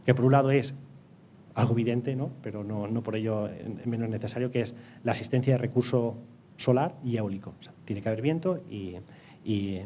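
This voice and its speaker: A man with a Castilian Spanish accent speaks in a mellow, mid-pitched voice. He explains things as an interview guest, hesitating and repeating words. There is light ambient noise behind him. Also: fairly quick. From Castilla-La Mancha, Spain. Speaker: interview guest, energy company project director.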